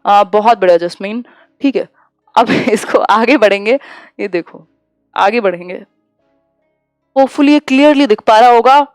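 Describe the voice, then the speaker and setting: Woman teacher with a high, dry voice. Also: no echo, faint music behind. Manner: explains in Hindi with English terms, reads questions slowly. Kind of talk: online exam-prep lecture.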